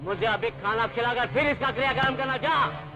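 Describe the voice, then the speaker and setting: An actor playing a ruthless, vengeful patriarch in a dubbed film, harsh and commanding. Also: male voice, very high voice, brisk. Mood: menacing. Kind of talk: Hindi film dub. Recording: dull dubbed film audio with loud music and crowd.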